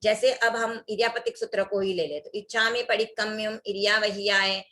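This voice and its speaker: A woman's voice: medium pitch, steady tone, moderate pace, a bit bright, slight background noise. A woman teaching an online religious workshop, explaining recitation mistakes and reciting scripture passages as examples.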